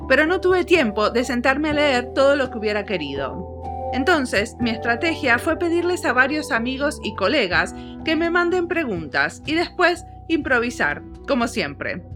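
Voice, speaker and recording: A woman hosting a podcast, reading her intro and asking interview questions. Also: fairly high pitch. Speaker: podcast host.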